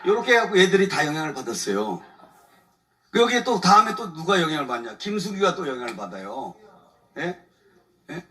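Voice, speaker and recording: Male lawyer at a church testimony, high bright voice, chuckling, casual and aggrieved, picked up by a distant mic. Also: sing-song, a little fast, pauses often. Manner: colloquial, chuckles often, aggrieved storytelling. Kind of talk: animated testimony talk. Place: church evening service before a congregation.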